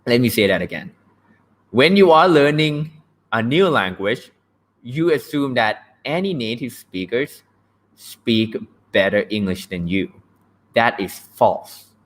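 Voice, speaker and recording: A man's voice: mid-range voice, lively intonation, takes it slowly, low-quality recording. A young man from Thailand with a Thai accent, hosting a casual livestream about language learning, blunt and joking and often checking in with "right?". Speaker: livestream host.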